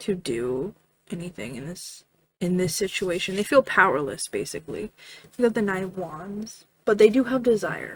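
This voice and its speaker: A soft-spoken woman uses vocal fry at a moderate pace and medium pitch, with very wide pitch swings. The recording is very clean, with a silent background. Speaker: tarot reader. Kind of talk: tarot reading. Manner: halting.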